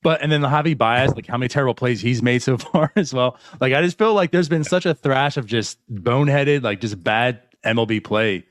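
A man in his late thirties hosts a laid-back sports podcast. He rambles through his points, full of "like" and little restarts. His voice sits at a middling pitch, and the sound is close and dry. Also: brisk, hardly any pauses, no echo. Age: late 30s. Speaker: podcast host. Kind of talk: casual sports chat.

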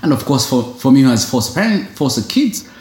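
Talking fast in a sing-song, mid-range voice with a darkish tone, this Ugandan man is a single foster father giving a casual interview. He comes across as earnest and reflective, leans heavily on "you know," and the room is echoey.

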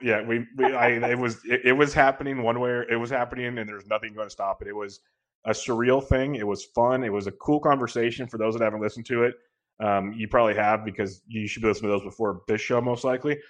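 A man in his thirties hosting a podcast, loud and carrying, talking earnestly and rambling with many restarts. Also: mid-range voice, steady tone, quick pace. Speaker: podcast host. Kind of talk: casual podcast chat.

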